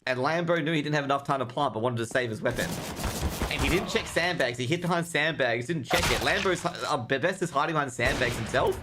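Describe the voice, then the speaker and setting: Guy streaming esports commentary, chatty and jokey, mid pitched voice, some noise and clicks behind him. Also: fast talker. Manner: jokey, informal, chatty with viewers. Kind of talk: casual live game commentary with chat banter. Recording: clear background noise with clicks.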